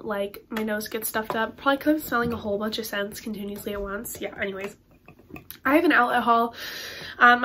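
A teenage girl with a congested nose chats casually to her camera in a bedroom, her voice sitting a touch high. She rambles with frequent ums and likes. A faint hiss sits under the recording. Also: a bit bright. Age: teens. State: stuffed-up nose. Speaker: beauty and candle vlogger. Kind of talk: casual haul review to camera. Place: bedroom with Christmas tree and curtains, indoors.

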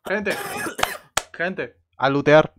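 A man with an accent from Spain, bantering casually and excitably in a gaming voice chat, often joking. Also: a little high, very slow, noisy background. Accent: Spanish, from Spain. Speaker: gaming streamer.

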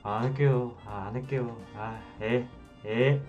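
Man putting on insolent schoolboy, sulky careless drawl, lively pitch, dull distant sound. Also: normal speed, faint music behind, lightly acted. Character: insolent slacker teenage schoolboy.

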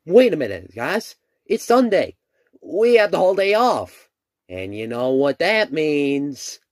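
A man voicing an excitable, folksy animatronic bear in an exaggerated, overacted cartoon fandub style. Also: mid-range voice, slow pace, no echo, clean studio sound. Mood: excited.

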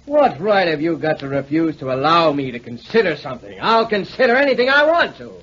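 An actor playing a gruff, impatient, bossy male police lieutenant in 1940s radio style. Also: a little high, big pitch swings, a little fast, fairly bright tone. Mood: argumentative. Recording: muffled, lo-fi 1949 radio recording.

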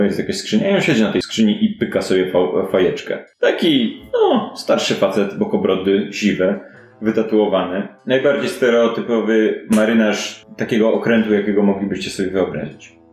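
A man's voice: fairly low pitch, animated, moderate pace, darkish tone. A man improvising narration as game master of a tabletop role-playing game, conversational and hesitant in his phrasing. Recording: roomy sound with faint music.

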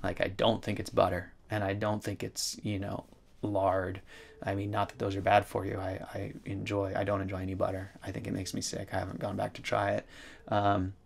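A man's voice: fairly low pitch, completely flat delivery, a little fast, creaky. A man in his forties talking casually to the camera from a wooden room, rambling and thinking aloud with many asides. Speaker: vlogger. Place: wooden room by a large window.

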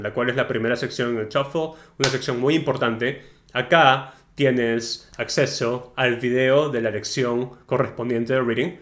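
A man's voice: mid-range voice, a bit bright. A man tutoring for an English exam in a casual video lesson, talking straight to the viewer with frequent tag questions. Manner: chatty, tags sentences with ¿no? and ¿ok?; direct, advising tone, addresses the viewer as tú.

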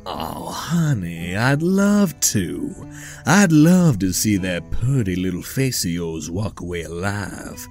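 An actor playing a flirtatious, menacing scarecrow soul collector with a drawl, in an audio drama with faint music behind. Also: male voice, low voice, big pitch swings, takes it slowly, a little mellow, exaggerated voice. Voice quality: drawling, teasing, theatrical.

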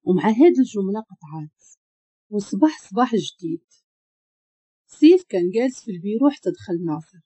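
A woman with a Moroccan accent narrating a dramatic family story with expressive delivery. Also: medium pitch, quick pace, breathy edge, no echo.

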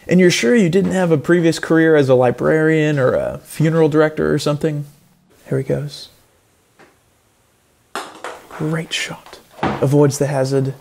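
A man's voice: a little high, normal speed, vocal fry. Man doing mock golf play-by-play. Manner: earnest play-by-play, building to excited outbursts. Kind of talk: parody sports commentary.

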